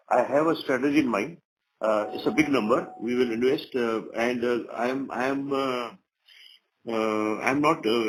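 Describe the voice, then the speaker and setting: A man with an Indian accent answering investor questions as a company executive on a conference call, often repeating words for emphasis. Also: mid-range voice. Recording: noisy conference phone call.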